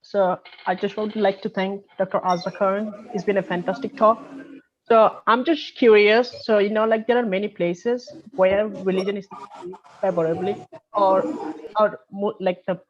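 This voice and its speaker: A woman's voice: mid-range voice, fairly even intonation, moderate pace. A woman from Bangladesh putting an informal question to a speaker at an online event. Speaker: audience questioner. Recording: slightly dull video-call audio.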